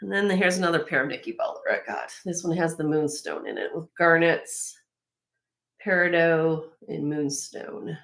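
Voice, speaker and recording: Slightly raspy woman showing jewelry. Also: sits low, expressive, moderate pace, fairly bright tone. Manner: chatty, admiring, with frequent fillers and restarts. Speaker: host of a live jewelry sale. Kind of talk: casual show-and-tell product presentation.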